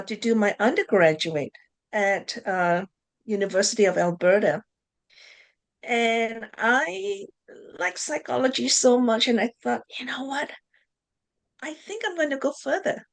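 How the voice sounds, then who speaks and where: A middle-aged woman from Malaysia, a psychology professor, introducing herself in a measured way on a video call from a home office. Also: on the high side, expressive. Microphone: video call webcam.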